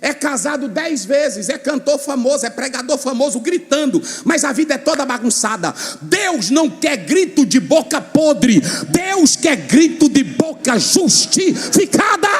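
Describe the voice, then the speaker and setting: Brazilian pentecostal pastor yelling and half-singing, really high, big hall echo. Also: male voice, lively intonation, normal speed. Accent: Brazilian Portuguese. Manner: shouting, sing-song preaching, calls on the congregation to repeat. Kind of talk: fiery Pentecostal sermon. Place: church hall. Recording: long church-hall reverb.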